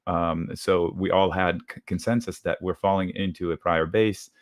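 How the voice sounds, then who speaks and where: A man with a cold, his voice deepened and a little under the weather, lays out his options trades step by step at a brisk clip. He's a video-call guest on a live market show. His tone is low and steady, captured in studio quality with no echo.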